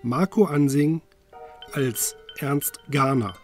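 A man's voice: on the high side, takes it slowly. A man reading scripted credits as an announcer. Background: music.

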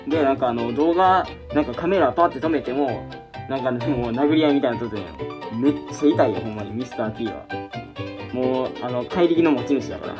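A young man with a Kansai accent hosting a casual question-and-answer vlog, rambling with many fillers and restarts. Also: mid-range voice. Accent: Kansai Japanese. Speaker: YouTube channel host.

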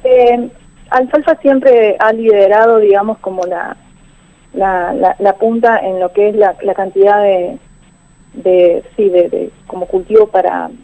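A woman's voice: medium pitch, steady tone, a little slow, phone-quality sound. A woman agronomist, answering radio interview questions over the phone with many fillers and restarts. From Argentina. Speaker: agronomist guest.

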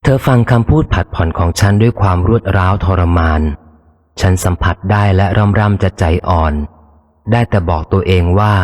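A low-voiced man reads a first-person memoir aloud, keeping his delivery calm and measured. His voice rings out with a long reverberant tail, as if recorded in an echoing room. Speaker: audiobook reader.

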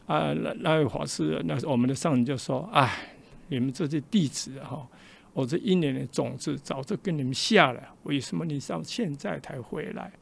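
At a moderate pace and with a gravelly, slightly high voice, an older man with a Taiwanese Mandarin accent shares a personal story on a radio interview. He acts out what people said, switching voices with animation.

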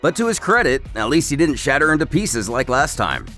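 A man's voice: on the high side, very animated, fairly quick, pushed and bright, faint music behind. A man narrating a scripted story recap as a host, in a storyteller's delivery.

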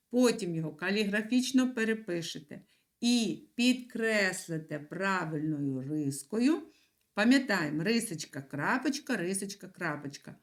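A woman teacher giving a video lesson to young children, stressing words slowly and clearly with a sing-song lilt. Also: medium pitch. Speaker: primary school teacher.

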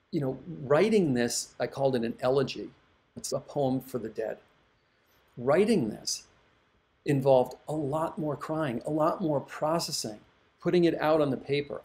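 A middle-aged man, a hypnotherapist, giving calm, reflective advice to viewers. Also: medium pitch, creaky.

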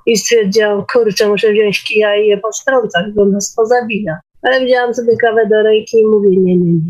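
A woman's voice: mid-range voice, steady tone, fairly quick, a little mellow, rough recording. Plain-spoken woman telling personal stories. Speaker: participant in an online meeting. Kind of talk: casual personal anecdote. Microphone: online call microphone.

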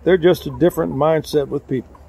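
A neighborly police captain played by a man in a radio play, chatty and courteous. His voice is husky and full of gravel, pitched a little high. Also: fairly even intonation, brisk, warm tone. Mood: friendly. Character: friendly, neighborly small-town male police captain. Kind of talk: radio drama acting.

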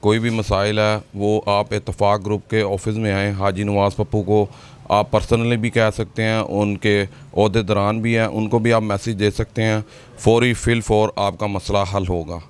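Male trader, low flat smooth voice, steady message to traders. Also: moderate pace. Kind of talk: interview answer. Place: crowded indoor office. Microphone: handheld mic.

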